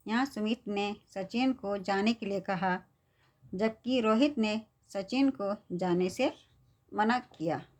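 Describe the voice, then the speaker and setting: A woman's voice: mid-range voice, slow, darkish tone. A woman teacher patiently explaining a lesson to young students, often checking in with them. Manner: patient, repeats "theek hai" to check understanding.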